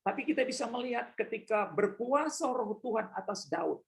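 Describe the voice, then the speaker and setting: A man's voice: very high voice, lively intonation, moderate pace, vocal fry, low-quality recording. A male pastor preaching a sermon in church, emphatic and repetitive, addressing the congregation directly.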